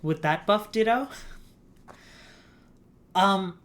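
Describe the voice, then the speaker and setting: A woman's voice: mid-range voice, extremely slow, a bit bright. A woman streaming a game, explaining game mechanics in a rambling, giggly way. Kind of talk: casual gameplay stream chat.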